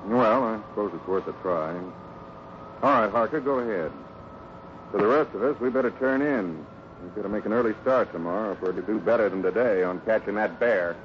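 An actor playing a steady, fatherly ranch boss with a plain-spoken, measured way in a 1950s radio western. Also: on the low side, close to an everyday voice. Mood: steady, concerned. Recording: muffled, noisy old radio recording.

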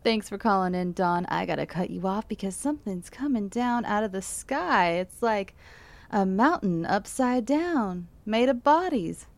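Woman, late-night radio DJ, played by an actress, wry, measured, radio drama, dry and close. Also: fairly high pitch, no echo. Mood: awed. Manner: measured, wry, steady on-air delivery.

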